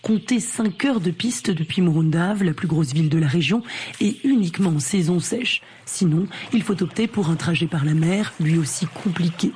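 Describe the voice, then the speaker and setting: A woman reporter giving a measured, scripted news narration. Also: on the low side, a little hiss or hum. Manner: measured, even delivery.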